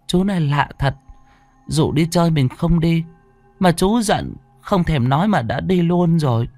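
A man voicing a young boy who stammers in a high, tearful voice. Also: lively intonation, a little slow, a little mellow, no room sound, faint music behind. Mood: timid. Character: frightened young boy, desperate for his dad.

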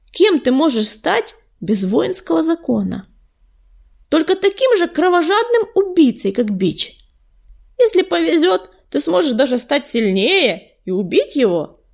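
A woman's voice: high voice, vocal fry, a little mellow, full character voice. A woman voicing a weary, plain-spoken loner tomcat living on a farm. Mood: earnest.

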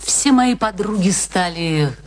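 An actress playing a haughty, sharp-tongued middle-aged wife in a radio play, proud and dismissive. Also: female voice, mid-range voice, expressive, slow, a little hiss or hum. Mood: cutting.

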